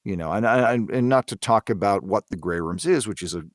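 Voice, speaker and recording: Man, low pitch, dry sound, thoughtful, halting phrasing, conversational interview answers. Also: dry recording. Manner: hesitant, thoughtful, halting delivery with repeated words. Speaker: voice actor, interview guest.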